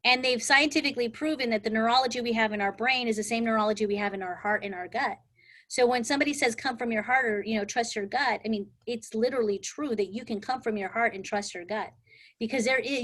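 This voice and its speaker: Chatty higher-voiced woman instructor. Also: fast talker, fairly bright tone. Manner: chatty, storytelling, frequent "right?" and "like". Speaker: insurance exam prep instructor. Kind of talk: casual live class teaching. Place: online live class.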